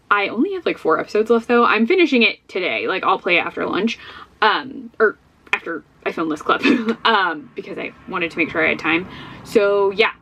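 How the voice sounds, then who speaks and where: A woman's voice: mid-range voice, fairly bright tone. Chatty young woman book vlogger. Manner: chatty, rambling, full of "like" and "um". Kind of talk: casual talk to camera. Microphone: camera facing her.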